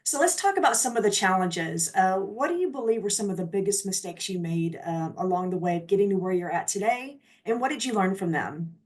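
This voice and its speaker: A woman's voice: mid-range voice, lively intonation, fairly quick, hardly any pauses, darkish tone. A woman hosting an interview show, opening with a polished, upbeat scripted introduction and then asking her guest questions. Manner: polished, upbeat presenter delivery. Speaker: host.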